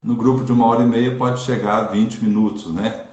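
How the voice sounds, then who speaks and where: A Brazilian Catholic preacher speaking in a casual online chat, earnest and emphatic, repeating phrases for stress. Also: male voice, mid-range voice, little pitch movement, a little fast, darkish tone, roomy sound, highs cut off.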